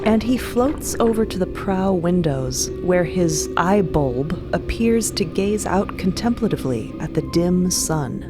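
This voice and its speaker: Low-voiced woman narrating over music. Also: animated, measured pace, few pauses. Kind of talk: dramatic scripted narration.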